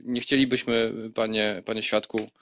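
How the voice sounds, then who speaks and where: A man chairing a parliamentary inquiry committee, speaking in a measured, admonishing way with frequent hesitations. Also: fairly low pitch, level tone, a bit bright, dry recording. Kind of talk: formal parliamentary hearing.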